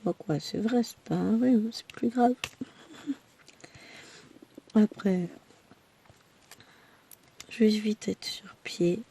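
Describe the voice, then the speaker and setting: A woman vlogger with a hoarse voice from a throat infection, chatting to her viewers in a rambling, tired, self-deprecating way. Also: medium pitch, drawn-out words, pauses often, mellow, slight background noise. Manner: speaks tired and worn out. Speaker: crafting vlogger. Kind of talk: chatty personal update to viewers.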